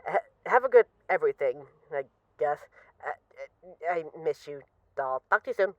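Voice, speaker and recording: A woman's voice: sits low, animated, moderate pace, a little mellow, no room sound, lo-fi sound. A woman acting as a bored, restless mafia boss who misses a partner, talking in a wry, dramatic, rambling way in an intimate voice-message roleplay. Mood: sleepy, awkward.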